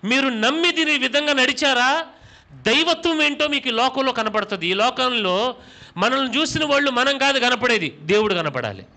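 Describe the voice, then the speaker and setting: A pastor preaching a sermon in a high, bright voice, firing questions at the congregation. He repeats words for emphasis and slips English phrases into his talk. His tone is forceful and tense. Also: lively intonation, moderate pace.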